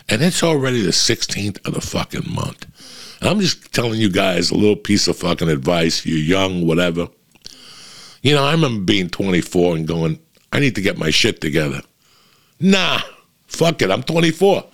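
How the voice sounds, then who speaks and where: Gravelly, foul-mouthed comic. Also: male voice, deep voice, a bit bright. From New Jersey. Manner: profane, blunt storytelling. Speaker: comedian. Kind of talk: casual rambling monologue.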